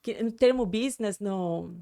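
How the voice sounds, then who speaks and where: A woman's voice: mid-range voice, measured pace, dark tone. A Brazilian woman chatting casually as a podcast guest, explaining things emphatically with examples like a language teacher.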